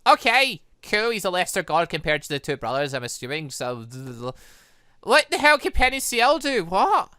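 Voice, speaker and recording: A let's player giving excited, rambling commentary on a game while reading its dialogue aloud. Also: medium pitch, moderate pace, clean tone, no room sound, studio quality. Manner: rambling, animated, exclaiming.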